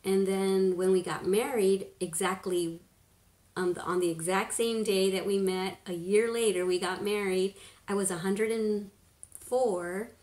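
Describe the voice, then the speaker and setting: A woman in her fifties, a beauty vlogger, chats casually on a live stream from her living room, reading out comments as she rambles, laughs often and sometimes drops to a hush. Her mid-range voice is steady and a little slow. The webcam sits at desk distance and the room sounds echoey.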